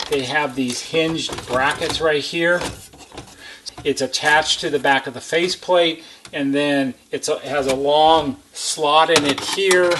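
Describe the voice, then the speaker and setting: Against a noisy background, a repair technician with a slightly high voice walks through a practical demonstration. His approach is methodical and step-by-step, and he emphasizes the important points.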